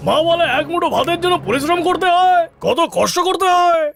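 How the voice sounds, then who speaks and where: A man voicing an excitable, grumbling parrot in a dubbed cartoon, cocky and punchy in his complaints. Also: very high voice, fairly quick, gravelly, soft background music, heavily acted. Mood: complaining.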